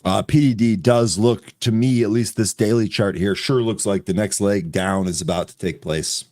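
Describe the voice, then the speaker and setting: A man co-hosting a live trading show, calling out tickers and chart levels in brisk, quick succession. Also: fairly low pitch, a little mellow, no echo, clean studio sound. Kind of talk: live market commentary.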